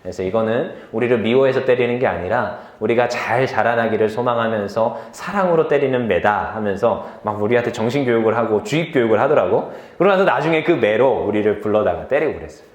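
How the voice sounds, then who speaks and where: A young man preaching a sermon to a youth group, telling stories from his life in a lively way, laughing easily and asking the listeners questions. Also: mid-range voice, roomy sound. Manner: lively storytelling, quick to laugh; asks the listeners questions directly.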